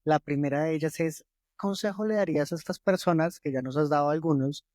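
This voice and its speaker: A man's voice: a little high, fairly quick, darkish tone, no echo, clean studio sound. A man hosting an interview podcast, asking his guest questions courteously and formally. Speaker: podcast host.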